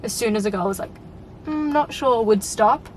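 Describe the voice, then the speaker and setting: A young woman hosting a casual chat, talkative and quick to laugh, her voice a little raspy at times. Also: fairly high pitch, a little mellow, slight background noise. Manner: chatty, laughs often, lots of "like". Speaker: channel host.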